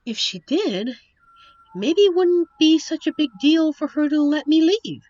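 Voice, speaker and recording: Casting: a woman acting girlish fantasy princess, earnest and pleading. Very high, swooping, unhurried delivery, dull dry audio-drama sound. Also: expressive, mellow, dry recording. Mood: wistful. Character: young sheltered princess, earnest, pleading, wistful.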